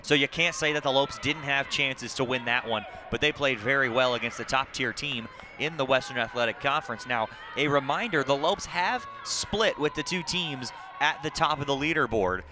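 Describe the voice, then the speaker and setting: A man's voice: mid-range voice, normal speed. A man doing live TV soccer play-by-play, mixing short clipped calls of the action with statistical recaps. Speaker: play-by-play sports commentator. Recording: clearly noisy outdoor broadcast with crowd ambience. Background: crowd and outdoor ambient noise.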